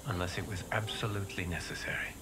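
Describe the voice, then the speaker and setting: A man playing a solemn, wise protector-god in a video game, with a formal, grave, measured delivery. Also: low-pitched, fairly even intonation, noisy background, close to an everyday voice. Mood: earnest, grateful. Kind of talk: dramatic video game acting.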